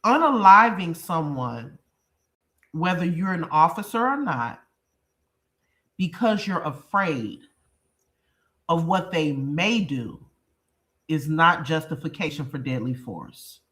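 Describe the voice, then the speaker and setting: Congested, bright-voiced reaction host. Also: medium pitch, big pitch swings, takes it slowly, long pauses. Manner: emphatic, repetitive, explaining to viewers. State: congested, sniffling. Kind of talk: commentary on a true crime case.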